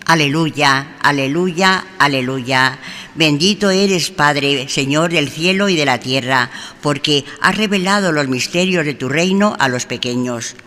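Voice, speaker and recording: A man's voice: on the high side, measured pace, sharp tone. A man reading the Scripture lesson and the responsorial psalm aloud at Mass in a formal, declaiming way, in a large church. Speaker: lector. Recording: church reverb with faint ambience.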